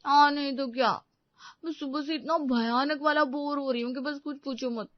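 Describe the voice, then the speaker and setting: A woman voicing a young, quick-tempered newlywed wife who complains emotionally. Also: sits high, fairly even intonation, dry recording, natural voice. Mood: complaining. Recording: dull, dry sound.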